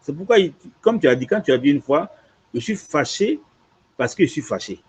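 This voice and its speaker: A fairly high, slightly rough male voice speaks rather quickly: an imam answering questions and explaining a religious teaching in conversation. He's lively and repetitive, going over points again and often checking in with "tu vois." The audio is dull and lo-fi.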